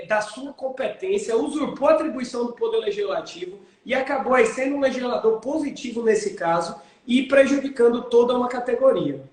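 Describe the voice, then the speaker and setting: A male lawyer explains the law in a measured, teacherly way and answers his own rhetorical questions. His voice rings out in a very echoey room. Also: very high-pitched. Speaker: lawyer, guest.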